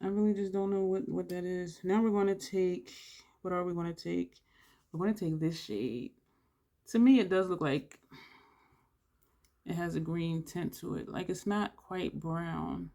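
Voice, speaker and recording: Vlogger, mid-pitch with a gravelly edge, congested-sounding, chatty makeup tutorial delivery with audible breaths. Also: measured pace, mellow. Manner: rambling, thinks aloud while working; audible breathing between phrases. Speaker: beauty vlogger. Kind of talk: casual makeup tutorial chat.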